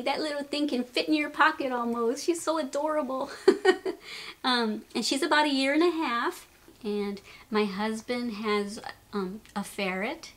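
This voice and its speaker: A woman in her late forties hosting a children's channel, chatting to little kids with frequent laughs, in a home room. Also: a little high. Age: 40s. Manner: chatty, laughs often, speaks slowly and sweetly to kids. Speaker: channel host. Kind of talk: warm casual talk to young children. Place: home room with a wall of books.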